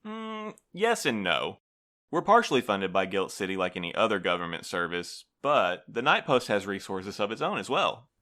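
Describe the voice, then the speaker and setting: Bright, officious male supervisor. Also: lowish voice, big pitch swings, normal speed. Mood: officious, bland. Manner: formal, bureaucratic, smoothly evasive. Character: prim, officious male postal supervisor, politely unflappable. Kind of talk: audio drama acting.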